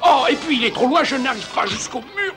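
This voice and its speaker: Cartoon ghost, male: very high, swooping voice, scheming and exasperated, theatrical grumbling. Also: expressive, brisk, music in the background. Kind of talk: French-dubbed cartoon acting.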